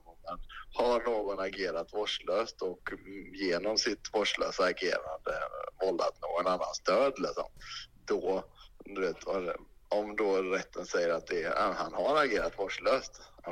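A man with a very low but bright, forceful voice talks loosely in a podcast chat. He rambles with many fillers and restarts. He sounds close and dry on the mic. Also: husky, dry recording, low-quality recording. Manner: rambling, hesitant, heavy fillers. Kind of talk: casual chat.

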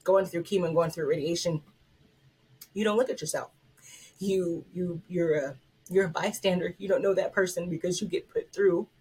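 A woman in her thirties speaks in an interview about her treatment. Her voice is husky. She talks in a reflective, halting way and restarts her sentences. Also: on the low side, a little mellow, poor audio. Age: 30s. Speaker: patient interviewee. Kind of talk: interview testimony.

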